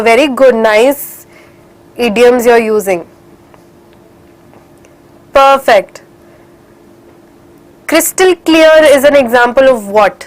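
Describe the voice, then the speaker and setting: Slightly high in pitch, a young woman leads an online children's English class in Indian English. She encourages the kids, drops in Hindi phrases now and then, and sounds a little stuffed up from a cold.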